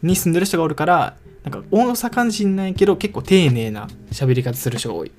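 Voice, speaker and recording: A man's voice: sits high, fast. Young man, Osaka Kansai accent, casual podcast co-host, rambling with fillers, faint background music. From Osaka, Japan. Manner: relaxed, rambling, frequent fillers. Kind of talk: casual couple podcast chat.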